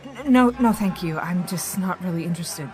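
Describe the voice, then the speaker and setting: An actress playing a wry, brisk law officer in naturalistic audio drama dialogue. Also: female voice, lowish voice, animated, soft background music, lightly acted. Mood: flustered. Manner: wry, teasing, conversational.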